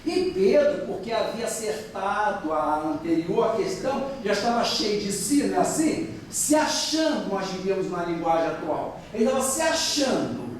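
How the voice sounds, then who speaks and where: High-voiced Brazilian preacher in a booming hall. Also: male voice, normal speed, few pauses, a little hiss or hum. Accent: Brazilian Portuguese. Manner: animated storytelling, addresses listeners as dear ones. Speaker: spiritist lecturer. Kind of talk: sermon. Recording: very echoey hall, voice from far off.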